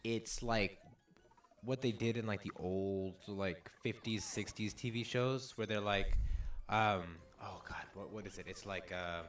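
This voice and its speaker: A man's voice: fairly low pitch, a little slow, fairly bright tone. A man co-hosting a video game let's play, talking casually in a rambling, stop-start way full of fillers. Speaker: co-host of a gaming let's play. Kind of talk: casual chat while playing a video game.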